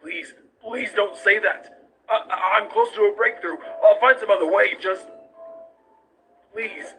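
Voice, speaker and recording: A man playing an anxious, devoted monster scientist in a fan comic dub, urgent, halting and pleading. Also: high-pitched, sharp tone, soft background music, exaggerated voice, low-quality recording. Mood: desperate pleading.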